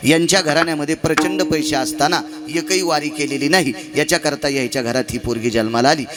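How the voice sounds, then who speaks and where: In a devotional kirtan sermon, the preacher dramatizes his stories with sharp swings in pitch and loudness. He addresses rhetorical questions to the audience and prolongs some phrases into a chant that's half sung.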